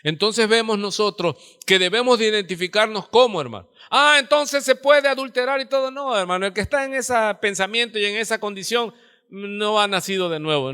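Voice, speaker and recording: A male pastor with a Mexican Spanish accent preaching a sermon in church, calling out to the congregation and swinging between loud exclamations and low, hushed asides. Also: smooth. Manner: preaching with call-outs to the congregation.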